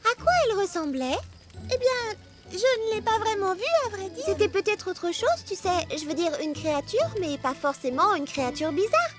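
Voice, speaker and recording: A woman's voice: very high-pitched, sing-song, normal speed. A woman voicing a nervous, chatty little girl in a French cartoon dub, stammering when scared. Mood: uneasy. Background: music.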